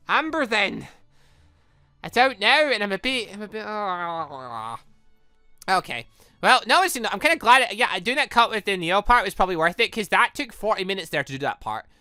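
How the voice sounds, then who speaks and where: A gaming host with a bright, forceful voice that swings up and down a lot. The delivery is rambling and theatrical, full of exclamations, and the sound is close and dry. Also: mid-range voice, dry recording. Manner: rambling, self-confessed ranter. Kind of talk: excitable let's play commentary with read-aloud dialogue.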